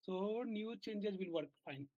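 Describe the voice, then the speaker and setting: A man who is a software engineer, walking his team through a bug in a work meeting on a video call, with halting speech full of fillers and restarts. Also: high voice, lively intonation, no echo. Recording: dull lo-fi call audio.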